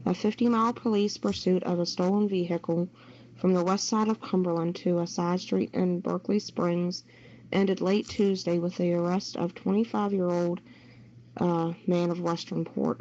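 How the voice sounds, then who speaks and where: A woman's voice: fairly low pitch, fairly even intonation, normal speed, darkish tone. A woman reading a local news report as a co-presenter, over muffled audio with some noise.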